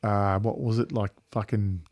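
A man's voice: fairly low pitch, little pitch movement, moderate pace, darkish tone, no room sound. A man with an Australian accent chatting casually as a podcast host, telling anecdotes in a blokey, laid-back, sweary way.

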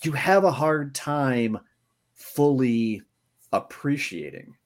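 A male podcast co-host who reviews films in a relaxed, conversational way. He speaks slowly and with care, in a middle-pitched voice. He often stops and restarts mid-sentence as he works out his point. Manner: deliberate, pausing with repeated restarts. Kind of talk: casual movie review chat.

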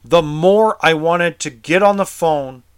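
A man's voice: fairly high pitch, measured pace, clean tone. A tense man ranting in a vlog as an RV service technician, frustrated and heated, swearing and stammering over repeated words. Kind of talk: vlog rant.

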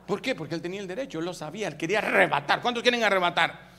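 A male pastor from Guatemala preaching an animated, humorous sermon and acting out scenes. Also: high voice, very fast, creaky. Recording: long reverb of a church hall with faint hum.

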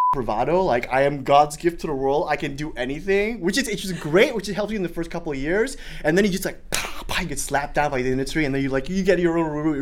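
A young man from Singapore with a learned American accent, an actor talking through an interview in an animated way, often restarting phrases and voicing the people he quotes. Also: fairly high pitch. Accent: General American, learned. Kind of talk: casual interview.

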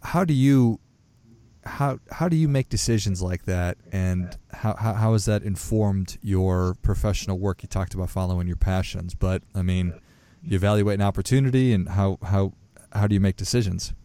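A man's voice: low voice, normal speed, warm tone. A man hosting an interview podcast, introducing and questioning in a conversational way. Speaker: podcast host.

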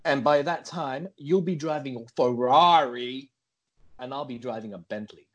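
Man acting as American podcaster, put-on accent, medium pitch, earnest self-assured dreamer, laboured affected delivery, comic banter. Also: moderate pace, lightly acted. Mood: earnest bravado. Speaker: podcast co-host.

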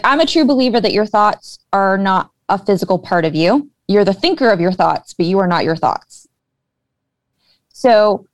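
A woman guest who is a spiritual intuitive earnestly explains her beliefs in a casual conversation, using many fillers. Her voice is mid-range, and there's no echo.

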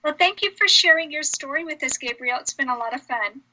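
A woman hosting a radio show, asking questions in an encouraging, warm way. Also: sits high, animated, fairly quick. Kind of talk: interview hosting.

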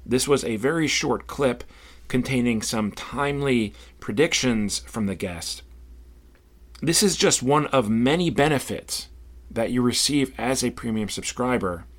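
A man with a medium-pitched voice hosts a podcast. He talks to listeners and guests in an interview-show style. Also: a little slow. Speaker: podcast host.

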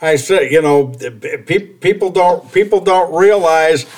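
A man's voice: fairly high pitch, takes it slowly, darkish tone, slight background noise. A man hosting a casual interview, rambling in a folksy way and often stammering and repeating his words. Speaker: podcast host.

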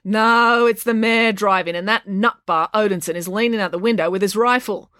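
A woman's voice: mid-range voice, normal speed, fairly bright tone, dry recording, clean studio sound, pitched above the performer's own voice, close to an everyday voice. A woman voicing a feisty, impulsive young girl in a storybook, blunt and exclaiming. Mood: scornful.

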